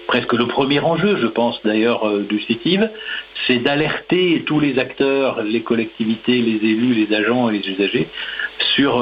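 A man talks as a radio guest, hesitating often and circling back to restart his sentences. His voice sits at an ordinary pitch. The line sounds slightly muffled, with a faint hiss underneath. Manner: hesitant, many fillers and restarts. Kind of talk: radio discussion.

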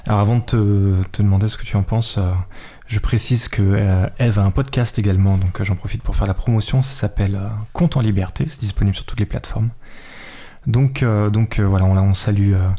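A man hosting a radio interview who introduces segments and asks questions, often filling pauses with "euh". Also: fairly low pitch, fairly even intonation, dark tone. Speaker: radio host.

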